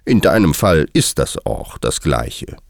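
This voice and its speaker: A man voicing an eccentric, blunt hatter in a measured, deadpan way. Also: extremely low pitch, vocal fry, no room sound, clean studio sound, exaggerated voice. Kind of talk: audiobook character voice.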